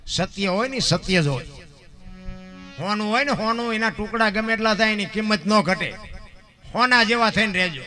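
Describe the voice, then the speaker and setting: A man with a Kathiawadi Gujarati accent holds forth as a folk storyteller on a live stage, his voice high and piercingly bright. He swings between loud declaimed verses and low, confiding asides. Soft instrumental music plays behind him. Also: lively intonation, normal speed, pauses often. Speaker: dayro storyteller.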